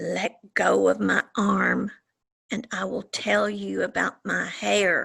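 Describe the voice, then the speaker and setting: A woman puts on a character voice with a very deep, low pitch, raspy and growling with hissing sounds. She speaks at a very slow pace. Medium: read story. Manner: sinister, sneering.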